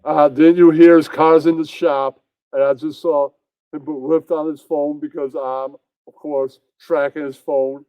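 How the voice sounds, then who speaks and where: A man's voice: fairly high pitch, level tone, unhurried, a little mellow, clear, resonant tone. A man performing an improvised comic puppet skit in a crude, rambling way, full of repeated catchphrases. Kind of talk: improvised comedy puppet skit with put-on character voices. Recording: echoey, slightly dull room recording.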